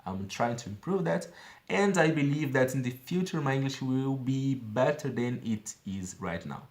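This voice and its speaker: A man's voice: medium pitch, lively intonation, normal speed, a little mellow. Brazilian guy in his 30s, english w portuguese accent, earnest chatty app walkthrough, keeps asking okay?. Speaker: language-learning vlogger.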